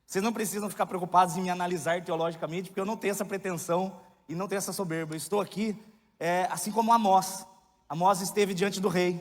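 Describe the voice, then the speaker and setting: Man in his thirties preaching, high voice. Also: steady tone, quick pace. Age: 30s. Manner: candid, joking, rising to loud emphatic outbursts. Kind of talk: sermon. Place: church hall. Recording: long hall reverb.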